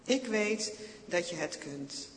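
A man's voice: high voice, lively intonation, takes it slowly, a bit bright, long reverb tail, a little hiss or hum, full character voice. A man voicing the aging King Saul, speaking with regret in a fatherly way. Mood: remorseful. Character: old King Saul, remorseful.

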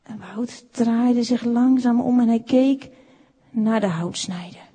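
A woman reading a children's story aloud, expressive and unhurried. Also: on the high side, husky. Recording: echoey room with long reverb.

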